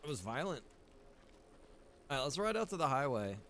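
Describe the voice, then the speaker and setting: A man's voice: mid-range voice, big pitch swings, moderate pace, a bit bright. A man giving casual livestream game commentary, with mild exclamations and joking asides to his viewers. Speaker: livestream gamer. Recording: clear background noise.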